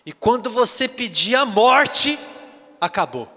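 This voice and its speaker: A man's voice: extremely high pitch, slow, long reverb tail. A man preaching a sermon as a bishop, telling stories animatedly and acting out the dialogue himself. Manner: animated storytelling, acts out dialogue.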